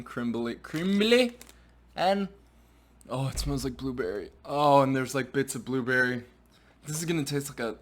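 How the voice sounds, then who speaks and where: A man reviewing snacks in a casual vlog, chatty and animated with playful asides. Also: mid-range voice.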